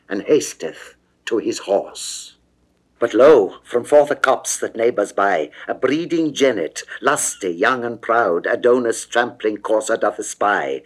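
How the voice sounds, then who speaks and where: A man narrating classical poetry as a dramatic reading, declamatory and theatrical, with precise phrasing. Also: mid-range voice. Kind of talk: dramatic classical verse recitation.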